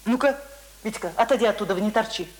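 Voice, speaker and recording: A woman's voice: mid-range voice, quick pace, natural voice, poor audio. An actress playing a worn-out single mother in a Russian radio drama, fond but complaining, with homely folksy speech. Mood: bossy, fond. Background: loud accordion and music.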